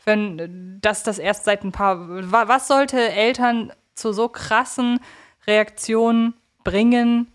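A woman's voice: fairly high pitch, slow pace, clean tone. A woman in her thirties talking as a podcast co-host, thinking aloud in long, winding, reflective sentences. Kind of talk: conversational podcast discussion.

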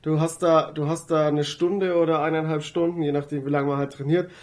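A man's voice: fairly high pitch, level tone, a little fast, darkish tone. A man talks casually as a podcast guest. He readily agrees with the others and rephrases his points as he goes.

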